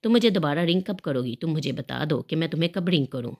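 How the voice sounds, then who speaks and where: A worried young man, voiced by a woman reader, speaks in a low, breathy tone. He tries to soothe and calm things down. The storybook delivery stays plain. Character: young man, worried but reassuring suitor.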